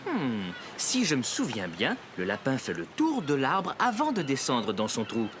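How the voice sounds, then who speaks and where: A patient cartoon father with a gentle, instructive manner. His delivery is lively and melodic, reassuring and encouraging, over loud background music. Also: mid-range voice, unhurried. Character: patient, encouraging adult father of small boy. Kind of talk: children's cartoon dubbing.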